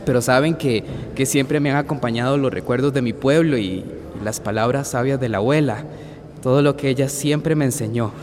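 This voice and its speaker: A man's voice: medium pitch, brisk, darkish tone, big-room sound, slight background noise, close to an everyday voice. An actor playing a young man who nervously thanks a crowd, stumbling over his words. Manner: hesitant, stumbling, lots of fillers. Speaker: grandson giving a thank-you speech.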